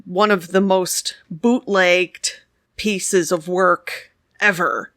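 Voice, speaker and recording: A woman co-hosts a podcast, chatting casually and telling stories while laughing often. Her voice is lowish and a bit bright, with fairly even intonation and drawn-out words. The recording is studio quality with no echo.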